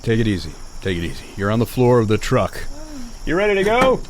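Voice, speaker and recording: A steady, capable radio-station man in an old-style radio drama, calm and terse as he takes charge. His pitch rises and falls freely. Noise sits clearly under the whole track. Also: brisk. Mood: tense. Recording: noisy radio-play track with effects.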